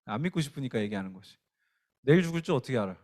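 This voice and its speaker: A youth pastor preaches a sermon to teens, earnest and emphatic, often directing questions at them. His medium-pitched voice is expressive and darkish in tone, and he talks very fast.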